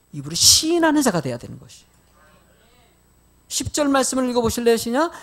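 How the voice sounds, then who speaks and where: Man, middle-aged pastor, sermon, animated, swooping intonation, asks the congregation questions. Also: extremely high pitch. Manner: folksy storytelling with light humor.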